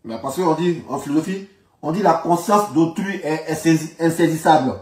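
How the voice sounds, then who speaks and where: A high-voiced man with an Ivorian accent rants informally, repeating his points with indignant emphasis. He is recorded away from the microphone in an echoey room. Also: normal speed, darkish tone. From Ivory Coast. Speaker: online political commentator. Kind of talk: informal spoken political rant. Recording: roomy echo, distant microphone.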